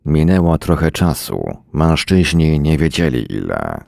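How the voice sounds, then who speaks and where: A man reading a short story aloud in a measured, dramatic way. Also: very deep voice, very animated, creaky, darkish tone, dry recording, clean studio sound. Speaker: reader. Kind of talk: scripted narration of a short story.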